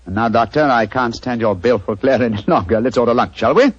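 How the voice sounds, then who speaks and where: An actor playing a brilliant, self-assured male detective in a 1940s radio drama, crisp and theatrical. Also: medium pitch, quick pace, close to an everyday voice. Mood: confident amused. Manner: crisp, theatrical, relishing his deductions. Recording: dull old radio recording with music.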